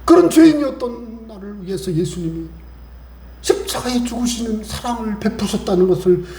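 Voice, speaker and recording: Korean pastor preaching in an echoey church. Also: male voice, sits high, animated, normal speed, mellow. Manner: conversational preaching, acts out little exchanges and quotes scripture. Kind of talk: Sunday sermon. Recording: echoey church room, faint hiss.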